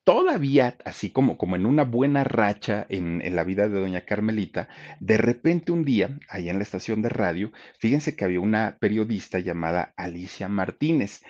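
A man telling a life story casually, talking right to his listeners. His voice sits low but moves with lively pitch. The recording sounds dull and lo-fi. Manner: chatty, addresses listeners, many fillers.

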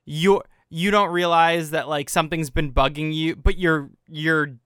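A man with a bright, crisp voice talks through his thoughts in a relaxed way, filling his sentences with "like." His voice sits a little high. He is recorded close and dry, with no room echo. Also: measured pace. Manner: reflective, filler-heavy "like". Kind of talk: casual conversation.

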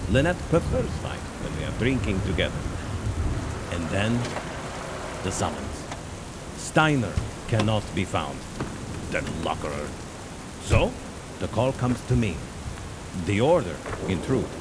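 An actor playing an aging, dutiful Swiss harbor pilot with a Swiss German accent, speaking halting English with German slips. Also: male voice, fairly low pitch, big pitch swings, heavy background noise. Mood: weary. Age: older. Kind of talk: radio drama acting.

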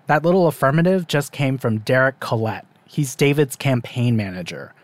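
A man's voice: medium pitch, expressive, normal speed, dry recording. A man hosting and reporting a podcast, narrating a documentary story in a conversational, lightly self-deprecating way.

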